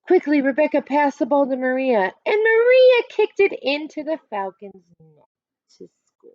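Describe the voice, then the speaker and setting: A woman's voice: high-pitched, expressive, moderate pace, a little mellow, no room sound, dull audio. A woman teacher reading a picture book aloud expressively, adding instructive asides and questions for listeners.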